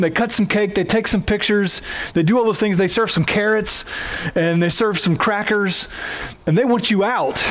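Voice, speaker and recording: Man, Oklahoma twang, high voice, middle-aged, earnest sermon, pastor. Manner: earnest teaching, building through scripture references.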